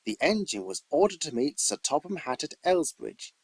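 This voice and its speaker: An amateur male narrator reads a scripted story in a fairly high voice with a husky edge. His delivery is theatrical and emphatic, swinging widely in pitch from phrase to phrase. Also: very animated, moderate pace, dry recording.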